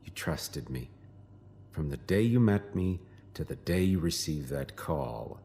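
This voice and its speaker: Slow, deep-voiced, smug villain. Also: male voice, animated, creaky, dark tone, heavily acted. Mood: gloating. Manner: taunting, leisurely, smug. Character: smug, menacing male doctor taunting his captive wife. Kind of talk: audio drama acting.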